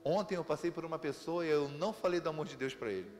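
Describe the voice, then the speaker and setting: A man with a Brazilian accent, preaching a sermon as pastor, telling stories in a lively way with laughter. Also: a little high, fast, in a large hall, over music. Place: church sanctuary.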